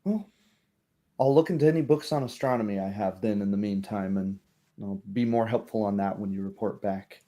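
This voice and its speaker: Man voicing a hesitant bookish woman herbalist, mellow. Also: fairly low pitch, brisk, lightly acted. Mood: helpful. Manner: hesitant, thinking aloud. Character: bookish female herbalist and retired adventurer, helpful, self-doubting.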